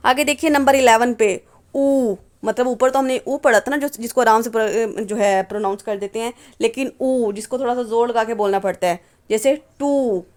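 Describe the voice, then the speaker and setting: A woman's voice: a little high, normal speed, a little mellow. A woman teaching English phonetics, patiently repeating example words and asking and answering her own questions. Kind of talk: phonetics lesson explaining symbols.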